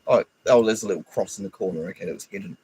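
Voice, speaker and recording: Husky streamer, low and rambling. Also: male voice, rapid-fire, darkish tone, low-quality recording. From United Kingdom. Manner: rambling, irritable, swears often. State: stuffy with hay fever. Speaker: livestreamer. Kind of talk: casual live stream chat.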